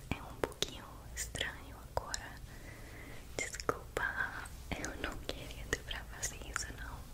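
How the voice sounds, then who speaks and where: Whispering, a woman speaks at a fairly slow pace. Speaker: roleplay host. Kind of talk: roleplay ASMR-style talk to viewer. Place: home room. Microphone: earbuds.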